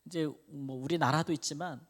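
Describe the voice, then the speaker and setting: A man's voice: on the high side, fairly even intonation, normal speed. A male pastor giving a midweek Bible lecture in a conversational way. He asks the congregation questions and answers them himself. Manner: acts out quoted speech with a raised voice.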